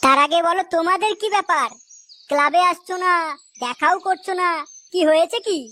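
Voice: very high-pitched, brisk, bright, forceful tone. A performer voicing a brash, sly small youngster in a comedy cartoon, blunt and slangy in speech. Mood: cheeky, confident.

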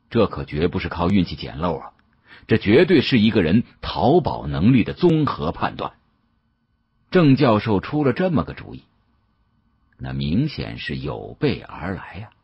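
Husky, deep-voiced male storyteller. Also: no echo, muffled recording. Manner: colloquial, expressive storyteller. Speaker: audiobook narrator. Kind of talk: dramatised first-person storytelling.

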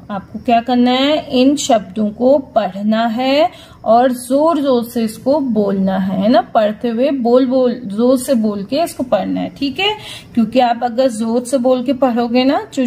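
Woman teaching small children, high and unhurried, coaxing, mixes in English words. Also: darkish tone. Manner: slow, patient, asks questions and answers them herself. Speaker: primary school Hindi teacher. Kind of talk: children's lesson.

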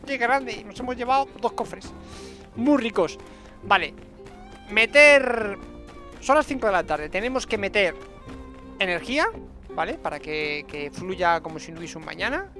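A young man with a Castilian Spanish accent talks through a game in a chatty, playful way. His voice has plenty of fry and gravel in it. He speaks into a headset, with game music clearly behind him. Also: sits high, animated, measured pace, long pauses, bright, forceful tone. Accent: Spanish from Spain. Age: young adult. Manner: chatty, playful self-talk with diminutives. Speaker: video game streamer. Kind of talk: casual gameplay commentary. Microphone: headset microphone.

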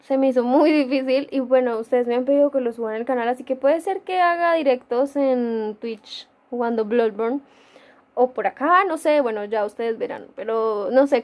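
A woman's voice: a little high, darkish tone. A young woman with a Colombian accent chatting casually in a dim room at home, answering viewer questions with many fillers and frequent laughs. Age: young adult. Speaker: gaming YouTuber. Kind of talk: casual Q&A vlog.

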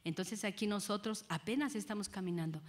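A woman, a judge giving a lecture to an audience, lively and often asking them rhetorical questions. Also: medium pitch, fairly quick. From Mexico.

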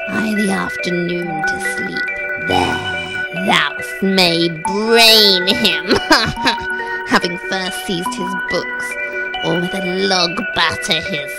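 Woman doing menacing shakespeare monster, lowish voice, dragging every word out. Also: lively intonation, very slow, gravelly, loud music behind the voice, full character voice. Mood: malicious glee. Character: gleefully savage island monster servant plotting murder. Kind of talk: Shakespearean stage acting.

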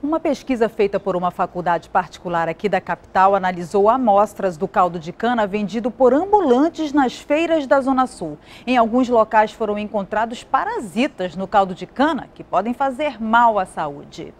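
A young woman reading the news as anchor from a TV studio, clear and measured. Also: mid-range voice, lively intonation. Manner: clear measured newsreader delivery.

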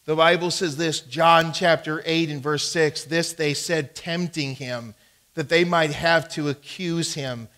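A man's voice: a little high, steady tone, unhurried, a bit bright. A man, preaching a sermon as a pastor and telling a personal story, emphatic, with frequent restarts. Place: church sanctuary.

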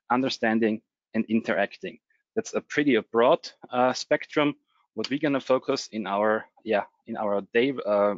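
A man's voice: medium pitch, no room sound. Man presenting tech, dull web-call sound. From Austria. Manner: relaxed, many fillers and restarts. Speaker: webinar presenter. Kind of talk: technical presentation.

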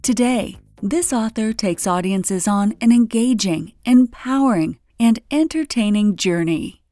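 A woman's voice: medium pitch, measured pace, dark tone, dry recording, studio quality, faint music behind. A woman reading a scripted promo voice-over in a polished, upbeat announcer delivery. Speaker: promo narrator.

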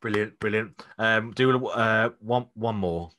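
Bright-voiced Black Country podcast host. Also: male voice, fairly low pitch, takes it slowly. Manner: enthusiastic, encouraging. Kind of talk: casual podcast interview.

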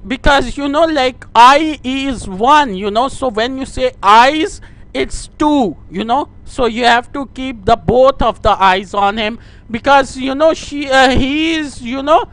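Prank caller: South Asian-accented man, very high voice, halting, repetitive, deferential, slow delivery. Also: fairly bright tone, clean tone, poor audio. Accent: South Asian English. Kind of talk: staged phone conversation.

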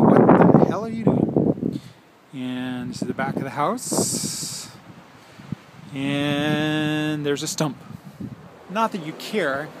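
A man in his forties talking casually and haltingly to a handheld phone, musing as he drifts between thoughts. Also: on the high side, noisy background. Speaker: video blogger. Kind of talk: casual rambling monologue to camera. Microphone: handheld smartphone at arm's length.

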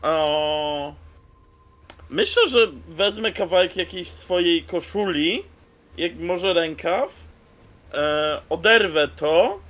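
A man's voice: on the high side, slow, a bit bright. A man in his thirties casually describing his character's actions as a player in a tabletop game.

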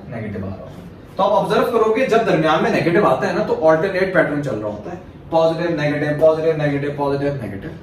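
This fairly high-pitched man teaches math to a class in a Pakistani Urdu accent, laying things out step by step and answering his own questions. The recording has slight background noise, and his voice sounds far away in a very echoey room.

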